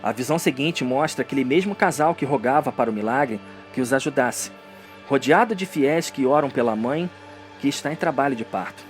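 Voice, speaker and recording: A man's voice: mid-range voice, brisk, soft background music. A man with a Brazilian accent narrating a story in a solemn, theatrical, dramatic scripted style.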